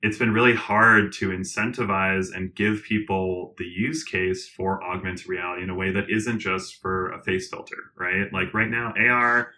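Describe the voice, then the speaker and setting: Bright-toned man talking in an interview. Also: deep voice, moderate pace, few pauses. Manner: animated, rambling with fillers and restarts; laughs often. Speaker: interview guest, tech founder. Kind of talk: casual conversational interview.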